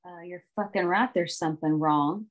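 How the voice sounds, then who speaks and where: A woman's voice: lowish voice, moderate pace, dull audio, natural voice. A woman reading the part of an indignant, jealous wife, disgusted and moralizing, during a screenplay table read.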